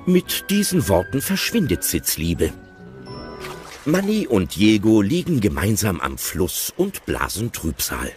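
A man narrating an audio drama with playful commentary. His voice sits slightly low but swings widely and expressively. Music plays clearly beneath him. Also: huge pitch swings, a little slow, darkish tone.

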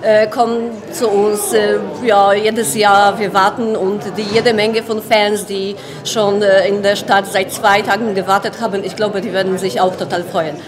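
A woman giving an excited, somewhat hesitant on-the-spot interview at a concert venue. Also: medium pitch, unhurried, few pauses, crowd noise.

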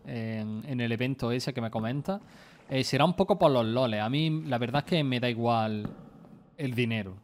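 A man from Spain with a Spain Spanish accent, chatting casually with viewers while he plays, rambling, swearing freely and breaking into excited outbursts. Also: mid-range voice. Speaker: gaming streamer. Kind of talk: casual gameplay chat with viewers.

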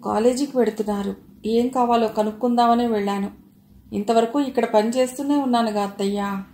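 A woman voicing a meek young daughter-in-law who answers softly and timidly in an audio story. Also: a little high, steady tone, fairly quick, reverberant, lightly acted. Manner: soft, timid, hesitant.

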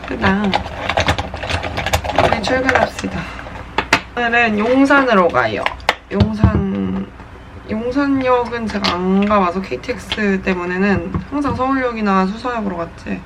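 A woman's voice: medium pitch, unhurried, very noisy. A woman in her twenties talking casually and playfully as she narrates her day for a vlog. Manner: playful, chatty self-narration. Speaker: vlogger and broadcast reporter.

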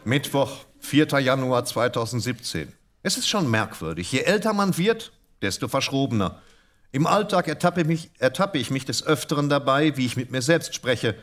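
A man reading comic diary entries aloud. His delivery is dry and measured, and he leans into the punchlines. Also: medium pitch, lively intonation, fairly bright tone. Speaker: co-host reading comic literature.

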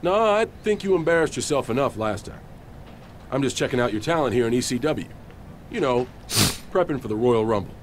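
Mężczyzna grający zadziornego mistrza zapasów. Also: male voice, medium pitch, animated, fairly quick, a little hiss or hum, close to an everyday voice. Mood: teasing. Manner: brash, teasing. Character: cocky adult male wrestling champion. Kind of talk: video game voice acting.

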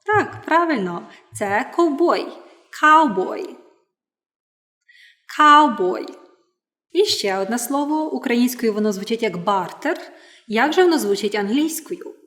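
A woman's voice: fairly high pitch, animated, measured pace, long pauses, fairly bright tone. Patient woman teaching English pronunciation. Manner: patient, clear, repeats words for learners. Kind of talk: online language lesson.

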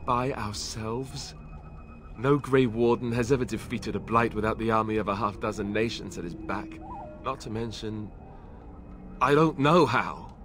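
An actor playing an unsure, good-hearted young warrior in a fantasy game, speaking in an earnest, hesitant way. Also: male voice, fairly low pitch, moderate pace, background noise, close to an everyday voice. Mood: dismayed. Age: young adult.

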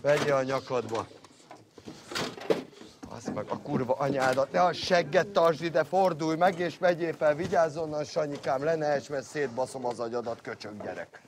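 Man, electrician, crude constant swearing, grumbling, slightly high voice, noisy amateur recording. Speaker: electrician at work. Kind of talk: amateur workplace banter.

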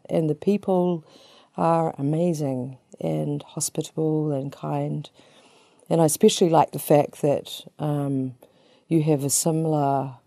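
A woman's voice: deep voice, mellow, dry recording. A woman in her fifties with a New Zealand accent, a psychotherapist introducing herself in a small studio with chatty, self-deprecating humor. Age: 50s. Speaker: psychotherapist guest. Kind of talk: relaxed personal introduction.

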